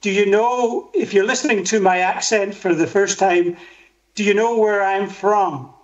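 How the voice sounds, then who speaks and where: Keynote speaker: older scottish highland man, high voice, dull lo-fi video call sound, talks straight to the audience. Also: steady tone, measured pace, echoey room. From Scotland. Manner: interactive, asks the audience questions. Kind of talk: conference keynote over video link.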